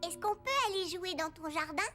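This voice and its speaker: A woman's voice: very high-pitched, a little fast. A woman voicing a curious, cheerful four-year-old boy in a cartoon, asking eager childlike questions. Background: music.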